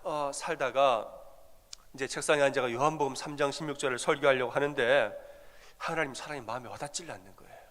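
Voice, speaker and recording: A man preaching from the pulpit with a somewhat high voice, telling a story in a chatty, conversational way and putting questions to the listeners. His voice rings out with a long reverb from the church sanctuary. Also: fairly bright tone. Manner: conversational, asks the congregation questions. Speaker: pastor. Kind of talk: storytelling sermon.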